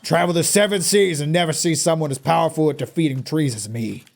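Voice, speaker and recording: A man voicing a boastful, gruff lumberjack who brags about beating trees. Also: on the high side, a little fast. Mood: cocky. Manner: swaggering self-praise, sing-song bragging.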